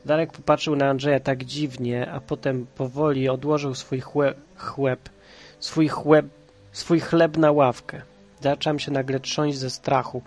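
A man from Kraków with a head cold, reading a children's story aloud in a lively, playful way. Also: medium pitch, measured pace, faint music behind. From Kraków, Poland. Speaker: storyteller and podcast host.

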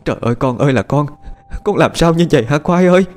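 A man's voice: a little high, lively intonation, fast, a little mellow, faint music behind, pitched above the performer's own voice, lightly acted. A man voicing a wailing frantic mother. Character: distraught village mother wailing.

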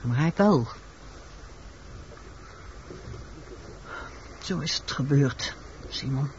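A woman's voice: very deep voice, expressive, a little slow, darkish tone. Muffled recording, weary, secretive woman. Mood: subdued, confiding. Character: weary, secretive woman confessing a wartime killing. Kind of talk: radio drama acting. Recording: muffled, noisy old radio recording.

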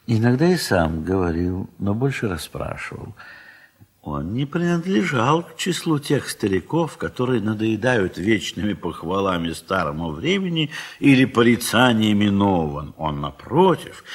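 Husky, low-voiced male storyteller. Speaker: narrator. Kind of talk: literary narration of a classic story for an audio play. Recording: 1970s mono studio recording.

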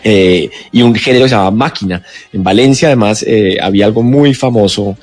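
A man from Colombia, an actor in his forties, chatting in a relaxed way on a radio interview, with many restarts. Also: on the low side, brisk, soft background music. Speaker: guest actor. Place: radio studio.

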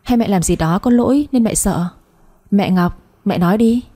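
A woman reading a blunt, sharp-tongued young woman. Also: mid-range voice, moderate pace, close to an everyday voice. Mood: teasing. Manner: outspoken, mocking.

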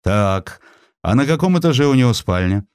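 A man's voice: medium pitch, big pitch swings, moderate pace, a little mellow, clear, resonant tone, no echo, clean studio sound, pitched above the performer's own voice, close to an everyday voice. A man voicing an imperious, capricious eminent doctor, curt and commanding, in a dramatised audiobook. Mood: curt, haughty.

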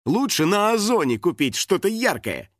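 A man's voice: high voice, very animated, normal speed, a bit bright, dry recording, clean studio sound, pitched above the performer's own voice, full character voice. A man doing a bossy bubbly girl video star. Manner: bossy, peppy presenter tone. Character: confident bubbly young girl internet star.

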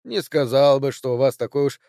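A man voicing a sharp, confident detective in an audiobook, speaking precisely and a little louder than his narration. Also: mid-range voice, animated, brisk, gravelly, dry recording, studio quality. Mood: assured. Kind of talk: audiobook character voice.

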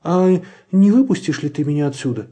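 A man's voice: on the high side, animated, brisk, warm tone, breathy edge, voice pushed up. A man voicing a naive young male fox cub in a storybook, sulky and plaintive.

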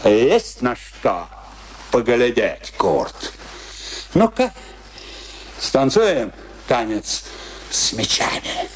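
A slow, sardonic, domineering husband. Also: male voice, mid-range voice, wildly swooping pitch, a little hiss or hum, exaggerated voice. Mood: mocking, theatrical. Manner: sardonic, declamatory, with drawn-out phrases. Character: domineering, mocking husband, theatrical military man. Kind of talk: radio play acting.

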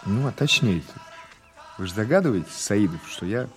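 An actor playing a dry, insistent Soviet investigator with an ironic, authoritative manner in an audio drama. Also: male voice, on the low side, animated, moderate pace, faint music behind, natural voice. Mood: probing, dry.

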